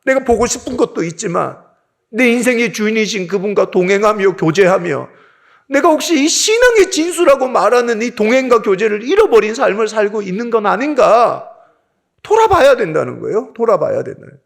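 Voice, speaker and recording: A man's voice: sits high, sing-song, brisk, creaky. A middle-aged man from South Korea, a pastor preaching a sermon and telling a personal story with strong emotion.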